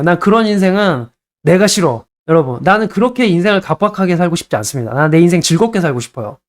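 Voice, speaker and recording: A young man hosting a talk on dating advice, chatty and playful, acting out little scenes as he goes. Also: on the high side. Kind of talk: casual advice monologue.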